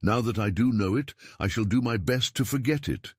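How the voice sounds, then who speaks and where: A man voicing an eccentric, self-assured Victorian gentleman detective in an audiobook, speaking in a precise, didactic manner. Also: fairly low pitch, normal speed, breathy edge, dry recording, clean studio sound. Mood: matter-of-fact, didactic. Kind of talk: audiobook character dialogue.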